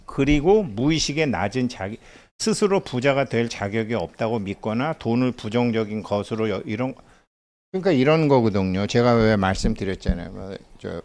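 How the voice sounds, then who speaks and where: A middle-aged man lecturing in a loose, conversational way. His voice sits at a medium pitch, and he keeps breaking into anecdotes, acting out the dialogue and chuckling along the way. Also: expressive, moderate pace, a little mellow. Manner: chatty storyteller, laughs often, acts out dialogue.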